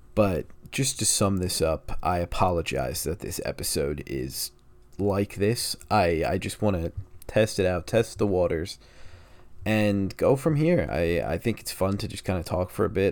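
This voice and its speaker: The speaker talks at a fairly slow pace with lively intonation and vocal fry. The recording is very clean, with a silent background. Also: man. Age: 20s. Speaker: podcast host. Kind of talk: casual monologue. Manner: rambling.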